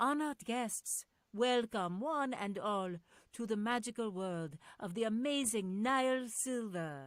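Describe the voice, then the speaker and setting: A put-on character voice, female-sounding and resonant, fairly high in pitch and fairly slow, on a very clean recording with a silent background. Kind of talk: broadcast-neutral, formal.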